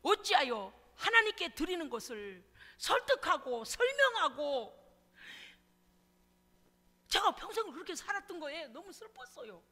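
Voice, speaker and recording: Animated woman pastor preaching in reverb. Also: very high-pitched, measured pace, long pauses. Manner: dramatic, swings from whispers to shouts, acts out prayers. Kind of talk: emotional sermon with testimony. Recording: church hall with long reverb.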